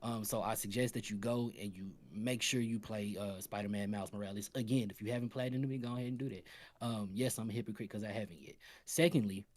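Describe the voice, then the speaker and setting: Animated man chatting on a gaming panel. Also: lowish voice, quick pace. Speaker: panelist on a gaming livestream show. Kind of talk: casual chat and recommendations.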